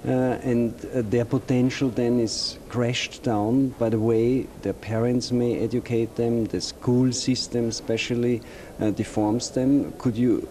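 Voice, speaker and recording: A man asking interview questions slowly, pausing often with ums. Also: mid-range voice, fairly even intonation, warm tone, a little hiss or hum. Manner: slow, halting questions with many ums.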